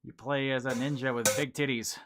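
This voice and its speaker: Stream host rambling thru a store page, reads titles out loud, trails off a lot, mid pitch. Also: steady tone, brisk, noisy background. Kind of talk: casual chat.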